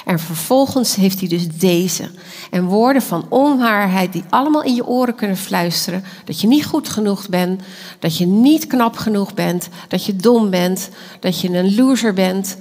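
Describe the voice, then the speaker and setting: A woman preaching a sermon with earnest, animated delivery and the odd hushed aside. Her voice sits at an ordinary middle pitch. The sound carries a long echo, as if recorded in a large hall. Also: normal speed. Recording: echoey hall.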